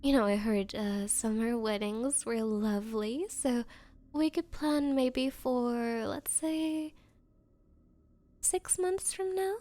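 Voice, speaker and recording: A woman playing a nervous, obsessive young woman on a date in an anime-style ASMR roleplay, speaking haltingly and flustered. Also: fairly high pitch, mellow. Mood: eager, flustered. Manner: halting, flustered, breathy hesitations. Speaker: roleplay voice performer.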